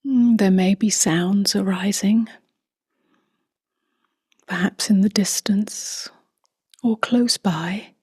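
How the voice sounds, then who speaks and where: A woman speaking softly and gently in a near-whisper as she guides a meditation, unhurried, with long pauses. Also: mid-range voice. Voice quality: soft, breathy, near-whispered. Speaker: meditation teacher.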